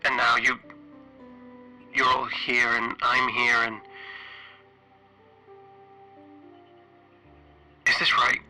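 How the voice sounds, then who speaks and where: A stranded spaceship engineer acted by a man records a log in a very bright, tense voice with a radio-like edge. He is weary and guilt-ridden, speaking haltingly and doubting himself. Music plays behind this horror roleplay. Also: medium pitch, heavily acted. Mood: distraught. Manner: halting, hesitant, self-questioning. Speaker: solo tabletop RPG player.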